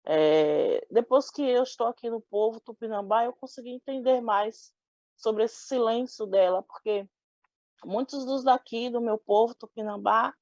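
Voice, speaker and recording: A woman's voice: a little high, unhurried, a little mellow, dry recording, dull audio. A young woman from Salvador, giving an oral history interview and speaking thoughtfully with frequent restarts. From Salvador, Bahia, Brazil. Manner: thoughtful, many restarts and filler "né".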